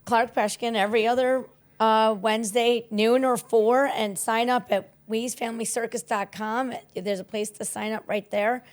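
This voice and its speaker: A woman's voice: on the high side, steady tone, normal speed. A woman with an American accent chatting casually as a co-host. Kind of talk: casual chat.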